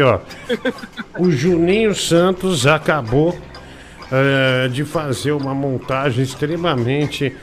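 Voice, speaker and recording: A man hosting a casual comic live stream, mocking pictures and reading viewer messages aloud. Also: medium pitch. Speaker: show host.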